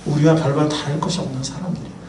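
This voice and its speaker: A man preaching a sermon, a pastor and professor who talks in a lively, chatty way and keeps asking the congregation questions. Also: a little high, racing, slight background noise. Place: church sanctuary. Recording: roomy, distant mic, faint ambience.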